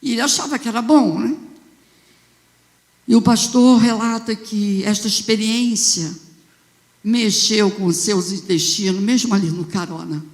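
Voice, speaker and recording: A woman's voice: mid-range voice, measured pace. Fervent Brazilian woman preaching in a reverberant church. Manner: fervent, swells into loud exclamations. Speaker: bishop preaching. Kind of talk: storytelling sermon. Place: church sanctuary.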